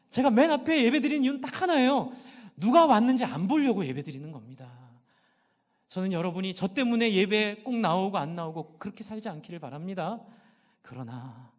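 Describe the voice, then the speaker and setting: Male pastor, high voice, impassioned sermon, asks and answers questions, church sanctuary with long reverb.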